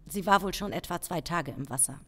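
An actress playing an authoritative female police chief in an audio crime drama, formal, measured and commanding. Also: on the low side, bright, forceful tone. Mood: calm, formal. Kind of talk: German audio drama acting.

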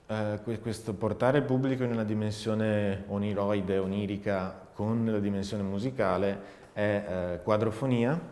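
Low-voiced man in an echoey room. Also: mellow. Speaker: theatre and sound artist. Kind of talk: explanatory interview talk. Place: seated in a dark studio, indoors.

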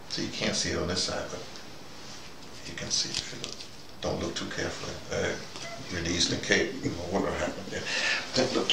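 A middle-aged man in a casual, rambling show-and-tell, talking to camera in a folksy, colloquial way and often pausing mid-thought. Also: deep voice, gravelly. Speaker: vlogger. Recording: echoey, distant mic, loud background noise.

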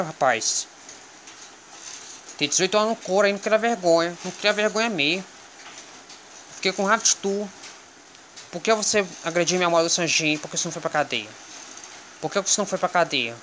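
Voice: mid-range voice, fairly bright tone, a little hiss or hum. A speaker giving a stern, repetitive scolding monologue, ending lines with questions like "got it?". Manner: repetitive scolding, tags lines with "viu?" and "entendeu?"; stern, threatening lecture. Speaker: channel host. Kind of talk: scolding monologue to an imagined listener.

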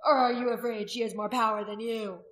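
A woman voicing a defiant male tribal warrior in an audiobook, blunt and forceful, crying out his words. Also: medium pitch, fairly even intonation, a little slow, roomy sound, close to an everyday voice. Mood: challenging. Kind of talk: dramatic audiobook character acting.

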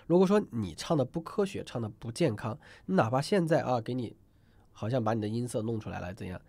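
A man's voice: medium pitch, animated, fairly quick, creaky, a little mellow, dry recording. A man teaching an online singing class, chatty and rambling, often asking students to type numbers in the chat. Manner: rambling with many fillers and restarts. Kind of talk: live online class lecture.

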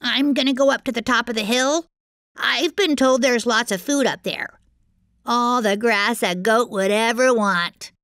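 A woman voicing a medium-sized billy goat who is polite and a little nervous, speaking softly. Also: fairly high pitch, unhurried, dry recording, studio quality. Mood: cheerful.

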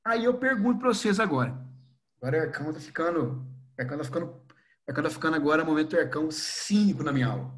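Animated high-voiced Brazilian teacher. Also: male voice, quick pace. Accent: Brazilian Portuguese. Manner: animated, acts out scenes with voices. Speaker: history teacher. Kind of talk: lively online class lecture.

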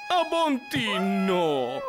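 A man's voice: high-pitched, huge pitch swings, very slow, music in the background, exaggerated voice. A man voicing a bossy, theatrical elf fishing captain in a Latin American Spanish cartoon dub. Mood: alarmed.

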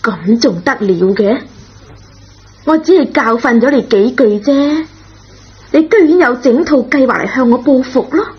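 A woman playing a forgiving, gently reproving schoolteacher in a Cantonese radio drama, with a husky, rough voice. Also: sits high, lively intonation, a little slow, full character voice. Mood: taken aback. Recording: dull lo-fi old radio recording.

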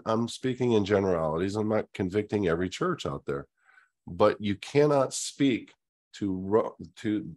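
Speaking through a webcam on a video call, a middle-aged host sincerely shares his views in a monologue, often starting his sentences over. He's indoors in front of a virtual Q&A backdrop, and his voice is fairly low and a touch mellow.

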